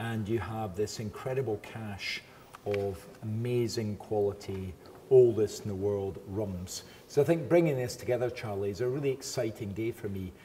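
A man with a fairly low pitch talks at a moderate pace, his pitch variation ordinary, over light background noise. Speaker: spirits industry expert. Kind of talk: casual chat. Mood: enthusiastic, appreciative. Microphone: lapel.

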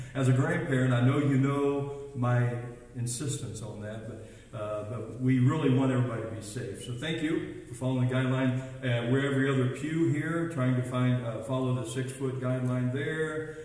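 A man at a moderate pace with fairly even intonation and strong room echo. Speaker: pastor. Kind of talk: church announcements. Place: church. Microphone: camera far.

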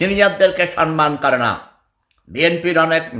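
Recorded very cleanly against a silent background, a man speaks. His tone is bright and sharp. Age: 70s. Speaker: political commentator. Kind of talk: political rant.

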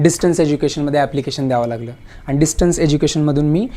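A man, fairly high in pitch, with an ordinary speaking voice. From India, Pune (Maharashtra). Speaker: police sub-inspector sharing exam journey. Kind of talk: informal talk to exam aspirants.

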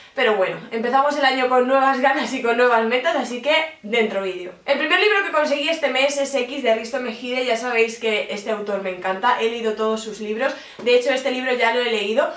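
With audible room echo, a woman speaks at a high pitch with ordinary pitch variation. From Castilla-La Mancha, Spain. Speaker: book youtuber, journalist. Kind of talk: casual talk to camera. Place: home room.

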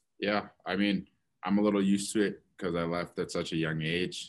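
With vocal fry in his voice, a man talks at a moderate pace. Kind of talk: interview answer. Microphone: video call.

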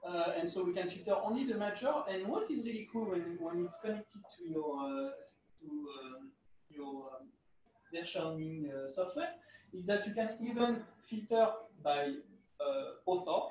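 A man with a French accent speaks at a high pitch and a fairly slow pace, with lively intonation, big swings in loudness, and long, frequent pauses. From France. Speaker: software developer. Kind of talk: conference talk. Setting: stage with audience. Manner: halting.

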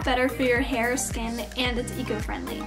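A woman speaks with clear music in the background. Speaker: lifestyle vlogger. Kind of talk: sponsored segment vlog chat. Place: home room. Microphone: camera far.

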